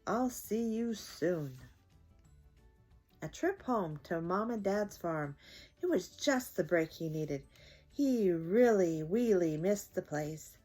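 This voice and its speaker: A woman's voice: fairly low pitch, lively intonation, takes it slowly, darkish tone, faint music behind. An older woman hosting a children's story time, reading aloud expressively to young listeners.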